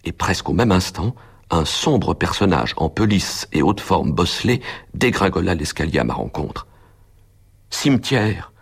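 Male narrator, audiobook reading, extremely low voice, very husky, measured pace. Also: animated.

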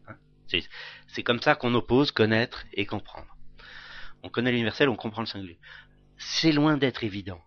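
A man's voice: mid-range voice, moderate pace, pauses often, lo-fi sound. A male lecturer answering audience questions in a thoughtful, explanatory way. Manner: thoughtful, explanatory, with filler hein. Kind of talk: academic explanation.

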